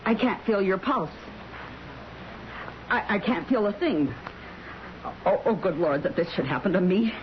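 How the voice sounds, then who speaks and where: Actress as a fussy home nurse, muffled radio sound. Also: female voice, mid-range voice, lively intonation, a little slow, long pauses, lightly acted. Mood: flustered, alarmed. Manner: stammering, fussy, flustered. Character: flustered female home nurse, fussy and self-concerned. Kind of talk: radio drama acting. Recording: dull 1970s radio drama, faint noise.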